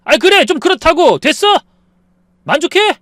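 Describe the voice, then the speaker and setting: A sneering, arrogant husband, drunk and quick to anger, from an audio story, played by a male reader. His voice rides high and strained, jumping around as he shouts. The recording is dry and close. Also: very animated, dry recording. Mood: shouting.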